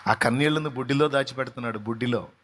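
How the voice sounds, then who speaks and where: A male pastor preaching a sermon at a mid-range pitch. He is impassioned, lurching from loud, ringing exclamations to soft, pleading appeals, and he repeats his phrases to hammer them home. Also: quick pace, background noise.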